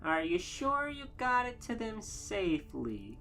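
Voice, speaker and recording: A performer voicing a stern, suspicious housewife in a parody story, pitched up and scolding with pointed questions. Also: wildly swooping pitch, a little slow, vocal fry, sharp tone, soft background music, exaggerated voice.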